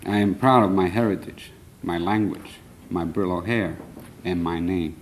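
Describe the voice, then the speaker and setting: A man's voice: low-pitched, a little hiss or hum. A man in his thirties from Puerto Rico reading his own poems at a conference, earnest and plain, a little nervous. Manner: earnest, plain, measured delivery with short line breaks. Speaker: poet reading his work. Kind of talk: live poetry reading. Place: conference hall.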